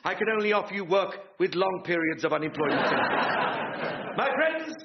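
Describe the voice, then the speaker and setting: A man's voice: high-pitched, very animated, normal speed. An actor playing a pompous, deluded Englishman with political dreams, in a colloquial, oratorical manner for a radio sitcom. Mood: grandiose oratory. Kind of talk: radio sitcom acting before a live audience. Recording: dull, noisy radio sitcom recording with clicks.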